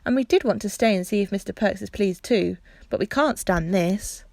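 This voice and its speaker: A woman's voice: mid-range voice, normal speed, gravelly, a little mellow, no echo. A woman doing an awkward, earnest young boy. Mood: embarrassed. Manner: earnest, slightly impatient.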